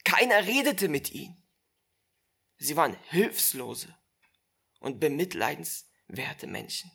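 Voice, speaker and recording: A preacher giving a sermon, slow and emphatic, repeating key phrases and speaking directly to the listeners. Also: mid-range voice, big pitch swings, creaky, pushed and bright, breathy edge.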